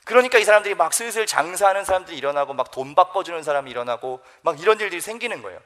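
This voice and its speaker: Lively young man preaching to teens. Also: high-pitched, rapid-fire. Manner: lively storytelling, asks the listeners questions. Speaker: youth pastor. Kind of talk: sermon to teenagers.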